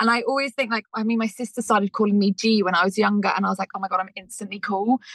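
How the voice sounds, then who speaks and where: A woman with a British accent at a very fast pace, medium pitch, fairly even intonation and hardly any pauses, in a dry, close sound with no echo. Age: 30s.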